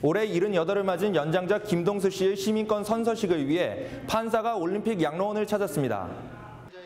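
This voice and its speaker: This man has a high voice and talks at a moderate pace with hardly any pauses, very even loudness and ordinary pitch variation, over noticeable background noise. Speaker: news reporter. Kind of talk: TV news report narration.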